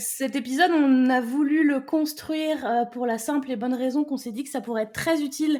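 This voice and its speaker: A woman's high-pitched voice with a dark, mellow tone, ordinary pitch variation and a moderate pace. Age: 30s. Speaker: podcast host, business coach. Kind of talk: casual interview chat.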